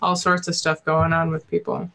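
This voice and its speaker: A woman's voice: sits low, flat delivery, moderate pace, gravelly, pushed and bright. A woman co-hosting a spiritual live-stream chat over a video call, hesitant and talking around a cough drop. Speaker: co-host.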